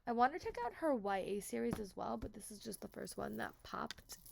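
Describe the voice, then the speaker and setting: A woman's voice: medium pitch, lively intonation, a little fast, vocal fry, noisy background. A woman book vlogger with a stuffy cold, chatting casually and repeating words with lots of fillers. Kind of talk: casual chat to camera.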